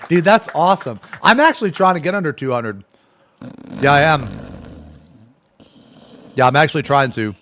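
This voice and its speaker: A man in his late thirties chatting casually on a live stream, reading viewer messages, laughing often and trailing off with a drawn-out "man". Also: a little high, a bit bright, slight background noise. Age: 30s.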